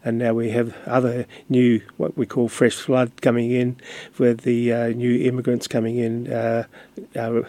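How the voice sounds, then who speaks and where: An older man speaks in a level, unvaried voice, pausing often on fillers and restarting his sentences. The sound is close and dry, with no room around it. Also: mid-range voice, completely flat delivery, mellow, dry recording. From Australia. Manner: hesitant, many fillers and restarts. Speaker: community radio guest. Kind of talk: casual interview talk.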